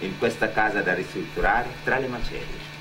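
A man's voice: lowish voice, normal speed, background noise. A man working as an actor-narrator, telling a story in dramatic theatre style. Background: music under the voice.

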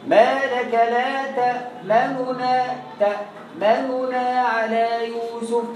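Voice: mid-range voice, slight background noise. Egyptian teacher in a very echoey room. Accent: Egyptian Arabic. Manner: recites example words slowly and repeats them to demonstrate. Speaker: Quran recitation teacher. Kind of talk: classroom lesson with recited examples. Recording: echoey room, voice far from the mic.

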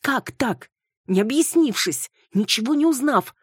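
A woman reading an audiobook, voicing a flustered young woman who quickly turns indignant. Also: fairly low pitch, dark tone, slightly rough, no echo, studio quality, voice pushed up. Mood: outraged. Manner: indignant, exclaiming.

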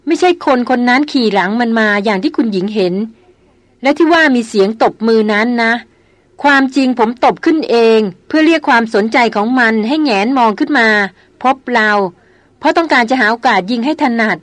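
A woman narrator voices a steady male jungle hunter in a storybook reading. He talks slowly and gently, soothing and reasoning. The sound is close and dry. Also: fairly high pitch, no echo, natural voice. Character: calm, protective male big-game hunter.

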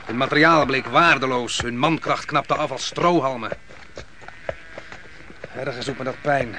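An actor playing a proud, vengeful army commander in a radio play, with a boastful, commanding manner. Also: male voice, medium pitch, a little slow, noisy background, close to an everyday voice. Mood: boastful, scornful.

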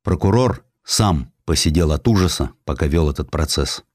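A man reading scripted historical narration theatrically, measured, with weighty pauses. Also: extremely low pitch, lively intonation, darkish tone, no room sound, clean studio sound. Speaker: narrator, audiobook performer.

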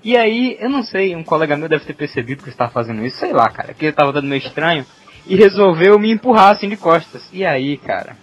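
A man's voice: on the high side, sing-song, fast talker. A Brazilian man co-hosting a podcast, telling embarrassing stories in a loose, slangy, laughing way. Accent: Brazilian Portuguese. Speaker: podcast co-host. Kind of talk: casual chat. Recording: slightly muffled podcast audio.

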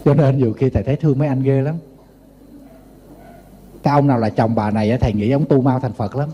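Southern Vietnamese monk, middle-aged man, very dark tone, storytelling sermon. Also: mid-range voice, fast talker, slight background noise. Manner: lively anecdotal storytelling with humor. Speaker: Buddhist monk preacher.

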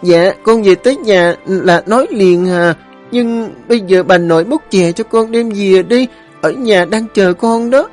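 A man's voice: high-pitched, unhurried, darkish tone, soft background music, voice pushed up. A man voicing a cheerful, chatty five-year-old boy, eager and sweet-talking.

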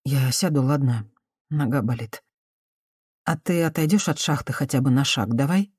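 Мягкий, негромкий женский голос в исполнении чтицы уговаривает терпеливо и примирительно. Тон низкий и приглушённый, речь осторожная, без нажима. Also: female voice, rumbling low, moderate pace, husky, dry recording, studio quality. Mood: calming. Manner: soft, conciliatory, hushed. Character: cautious gentle woman, soothing and patient.

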